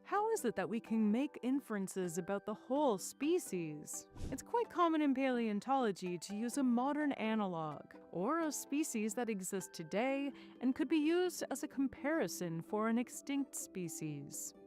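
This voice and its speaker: Woman doing scripted science explainer, highish voice, really lively intonation, clear explaining, bit of music behind. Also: moderate pace, few pauses. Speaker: science video narrator. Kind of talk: scripted educational narration.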